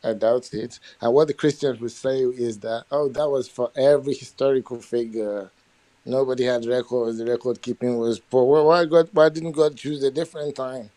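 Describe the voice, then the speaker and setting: A man's voice: medium pitch, fairly even intonation, normal speed, warm tone, no echo. A man who is not a native English speaker, chiming into a debate in a wry, musing way. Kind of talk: casual debate chat.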